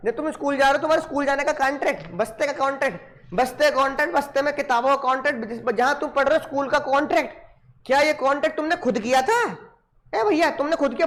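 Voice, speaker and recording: A man teaching law in an animated lecture, on the terms, who keeps asking his students questions and answering them himself. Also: very high-pitched. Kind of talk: lively Hindi lecture.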